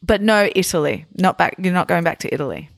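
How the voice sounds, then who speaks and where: A woman hosts a podcast interview in a chatty, friendly way, laughing easily and asking question after question. Her voice sits a little low for a woman. The sound is dry and close. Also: animated, fast, vocal fry, dry recording. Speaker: podcast host. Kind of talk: casual interview.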